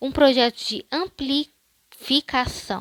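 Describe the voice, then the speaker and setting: A woman's high-pitched voice comes through with a dry, close sound and no echo. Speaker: teacher. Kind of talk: reading aloud; lecture. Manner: halting.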